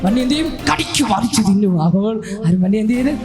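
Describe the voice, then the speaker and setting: High-voiced woman emcee hyping a crowd. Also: expressive, rapid-fire. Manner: shouting calls to the crowd, repeating questions. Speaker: children's event emcee. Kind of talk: crowd-rousing live announcing. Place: church children's program, indoors. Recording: live PA with loud music and cheering crowd.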